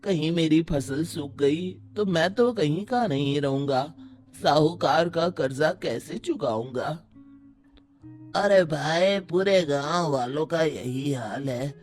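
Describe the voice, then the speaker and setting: A performer voicing an anxious, earnest village man in an animated story, fearful and seeking help, music behind. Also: mid-range voice, takes it slowly. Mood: worried.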